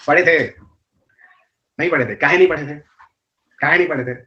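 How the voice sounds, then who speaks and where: Fast-talking scolding male exam teacher. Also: fairly high pitch, pushed and bright, highs cut off. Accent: rural north Indian Hindi. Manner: scolding, rhetorical questions to students; rapid colloquial Hindi mixed with English terms. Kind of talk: live online lecture.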